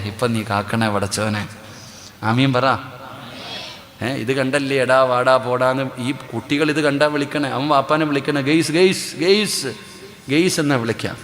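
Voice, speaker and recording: A man preaching a sermon. He presses the crowd with repeated questions and calls for answers, and swings between loud exclamations and quiet asides. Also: mid-range voice. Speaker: Islamic preacher. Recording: reverberant public hall.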